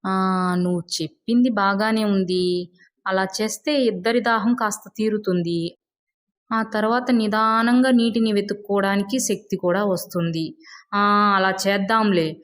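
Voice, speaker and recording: A woman's voice: medium pitch, measured pace, natural voice. A woman voicing a considerate young male elephant in a children's story, earnest, agreeable and concerned.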